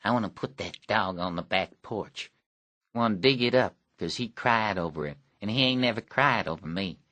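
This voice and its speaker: A man's voice: on the low side, normal speed, bright, forceful tone, no room sound. A man voicing a neglected, bitter rural teenage boy with a blunt, grim drawl.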